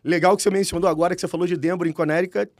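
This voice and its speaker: A man's voice: high-pitched, steady tone, very fast, no room sound, studio quality. A man in his forties from Rio de Janeiro with a Carioca accent, a talkative guest telling his story in a podcast interview. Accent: Carioca Brazilian Portuguese. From Rio de Janeiro, Brazil. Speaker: guest executive.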